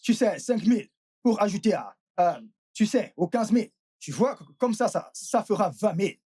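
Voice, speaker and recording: An actress voicing a loud, greedy woman obsessed with her money in a dubbed film drama, stammering and squabbling. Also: medium pitch, animated, normal speed, slightly rough. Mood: bargaining.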